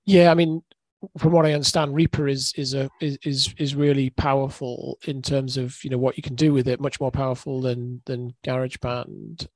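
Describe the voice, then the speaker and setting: A man's voice: mid-range voice, level tone, moderate pace, a little mellow, dry recording. A middle-aged man, a guest musician, talking hesitantly in an interview and repeating words as he searches. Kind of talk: casual interview chat.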